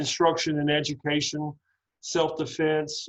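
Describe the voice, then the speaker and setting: A man speaks with a Texan accent. His pitch is fairly high. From West Texas. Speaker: district attorney. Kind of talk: interview answer.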